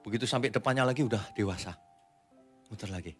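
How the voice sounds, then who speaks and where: A man, a pastor, preaching a sermon in a conversational way, asking the congregation questions and moving between quiet asides and loud emphatic lines. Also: fairly low pitch, fast, faint music behind.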